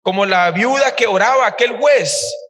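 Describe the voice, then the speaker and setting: A male pastor tells his own testimony in a sermon, in an animated, emphatic storytelling manner. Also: high voice, normal speed. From Costa Rica. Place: church service hall. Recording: reverberant church hall.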